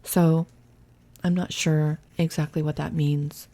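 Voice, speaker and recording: A woman's voice: low-pitched, little pitch movement, slow pace, warm tone. A woman hosting a home cooking vlog, chatting through each step in a casual, thinking-aloud way from her kitchen. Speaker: cooking channel host.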